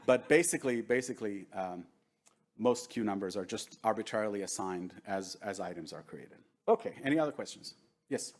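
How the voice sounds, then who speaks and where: A man's voice: lowish voice, animated, a little fast. A middle-aged man whose first language is Hebrew, giving a conversational lecture at a conference and often asking the audience "right?". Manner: conversational, keeps checking in with "right?". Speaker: workshop presenter. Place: large conference room with seated audience.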